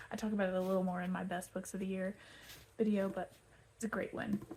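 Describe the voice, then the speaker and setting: Soft-spoken, a woman talks at a medium pitch with ordinary pitch variation. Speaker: book vlogger. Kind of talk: casual chat. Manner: quiet.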